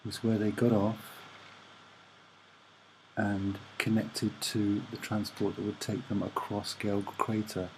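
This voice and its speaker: A soft-spoken man giving a hesitant, musing, rambling commentary on images as an amateur presenter. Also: on the low side, completely flat delivery, takes it slowly, a little hiss or hum, low-quality recording.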